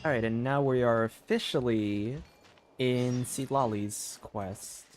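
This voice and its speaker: A man's voice: mid-range voice, slow, slight background noise. A man giving casual, rambling live commentary as a game streamer, hesitant and often repeating phrases. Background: game music.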